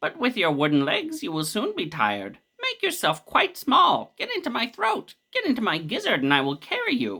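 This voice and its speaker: The speaker puts on a character voice with a fairly high pitch, delivered at a moderate pace. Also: hardly any pauses. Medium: read story. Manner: chirpy, sing-song.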